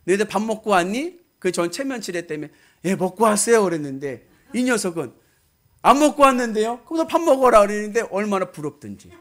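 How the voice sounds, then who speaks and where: A man preaching a sermon as a pastor, exhorting emphatically and putting questions to his listeners. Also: high voice. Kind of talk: sermon with storytelling and direct questions to congregation.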